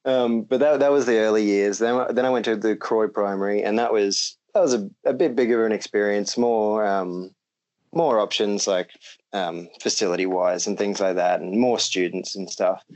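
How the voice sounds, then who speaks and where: Australian guy, lowish voice, relaxed, rambling, lots of ums. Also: normal speed. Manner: relaxed, rambling with many ums, laughs easily. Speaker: guest. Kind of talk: casual podcast interview.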